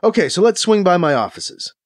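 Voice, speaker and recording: A man's voice: high voice, sing-song, brisk, voice pushed up. A man voicing a suspicious, sarcastic male Catholic priest with a wary, sardonic, terse way of talking, in a science fiction audiobook. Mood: firm, sarcastic.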